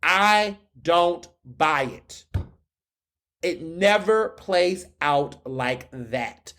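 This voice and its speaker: A man's voice: on the high side, lively intonation, drawn-out words, pushed and bright. A young man from Houston hosting his podcast, ranting in a fiery, sarcastic monologue full of rhetorical questions. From Houston, Texas. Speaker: podcast host. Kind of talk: opinion monologue.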